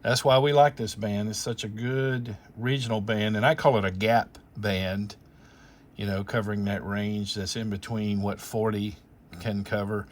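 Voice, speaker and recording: A low-pitched male voice in casual amateur radio chat. He explains technical settings as a host would, rambling a little and working things out aloud as he talks. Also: fairly even intonation, measured pace.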